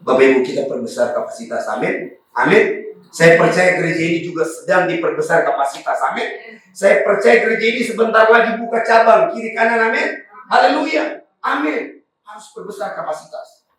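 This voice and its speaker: A man from Maluku with a raspy voice, preaching fervently to a congregation. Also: high-pitched, animated, a little fast, fairly bright tone, slight background noise. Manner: fervent preaching with frequent congregation address and hallelujahs. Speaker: pastor. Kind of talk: sermon. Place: church hall. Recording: echoey church hall from far off.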